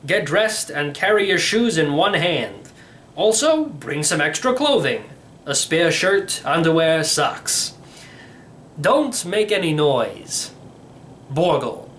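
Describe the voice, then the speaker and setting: A man's voice: a little high, sing-song, takes it slowly, a bit bright, slight background noise, exaggerated voice. A man voicing an eccentric, very old great-uncle in a storybook, speaking in clipped, matter-of-fact phrases.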